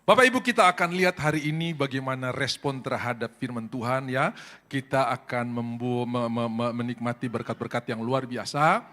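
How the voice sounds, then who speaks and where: A man's voice: medium pitch, normal speed, pushed and bright. A man pastor preaching a sermon at a church service, exhorting and telling stories to the congregation. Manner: exhorting, addresses the congregation directly, storytelling.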